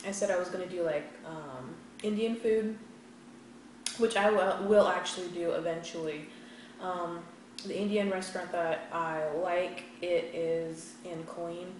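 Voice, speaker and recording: An American woman chatting casually to viewers while chewing, in a rambling, hesitant way. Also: on the low side. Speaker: vlogger hosting an eat-with-me video. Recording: very echoey room, distant mic, faint noise.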